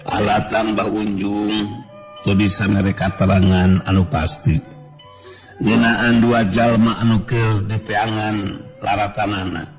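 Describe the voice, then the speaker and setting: A man from West Java narrating a folk tale as a storyteller, in a measured way. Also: fairly low pitch. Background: background music.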